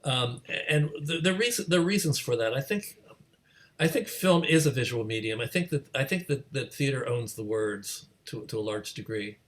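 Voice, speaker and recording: A man interviewing in a conversational way, halting and stammering over the starts of his phrases. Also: medium pitch. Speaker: interviewer, event host.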